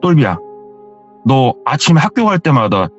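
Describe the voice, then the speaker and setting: A man's voice: medium pitch, big pitch swings, normal speed, close to an everyday voice. A man voicing a worried mother who questions her son urgently and frets aloud. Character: worried mother, anxious and firm. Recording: slightly muffled with faint music.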